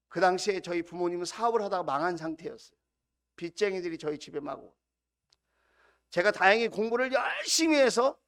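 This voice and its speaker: Fervent high-voiced male preacher. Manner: fervent, building to loud repeated cries; intimate storytelling that drops soft. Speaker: senior pastor. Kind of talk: sermon.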